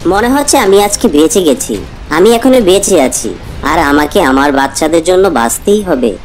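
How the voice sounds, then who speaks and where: A woman's voice: lowish voice, animated, moderate pace, darkish tone, natural voice, poor audio. A woman voicing a devoted, brave cartoon father bird, earnest and reassuring. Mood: resolute. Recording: music bed under the voice. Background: background music.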